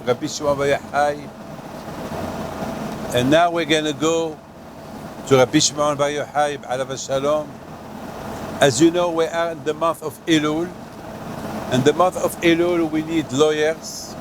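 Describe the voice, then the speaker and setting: An older man from Morocco, a rabbi giving a sermon outdoors in a halting way, with many fillers and restarts. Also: fairly high pitch, noisy background. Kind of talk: sermon at a holy site.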